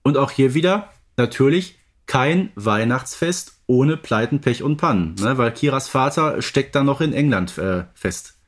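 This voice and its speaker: A man's voice: medium pitch, lively intonation, measured pace, few pauses. A man co-hosting a podcast, chatting casually about audio dramas. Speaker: podcast co-host.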